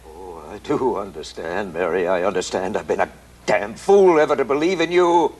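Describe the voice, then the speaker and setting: A man's voice: low voice, moderate pace, husky. An actor playing an older, blustering family father in a filmed stage drama, hearty with a sing-song lilt. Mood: bitter. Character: aging bluff father, hearty then bitter.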